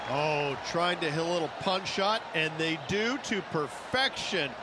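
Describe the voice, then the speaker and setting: An approving golf commentator giving short analytical asides in a video game broadcast. His voice is moderately high for a man. Clear crowd sound and background noise surround him. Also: animated, unhurried.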